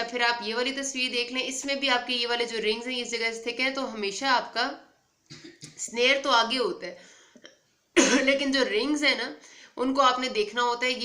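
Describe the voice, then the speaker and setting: Bright woman explaining in an echoey room. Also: fairly high pitch. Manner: patient, repeats points, code-switches with English terms. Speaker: medical instructor. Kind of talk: explanatory lecture on instruments.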